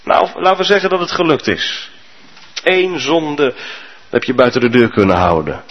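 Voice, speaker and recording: A man's voice: mid-range voice, animated, normal speed, muffled recording. A male preacher delivering a storytelling sermon to his congregation in a church. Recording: reverberant church hall.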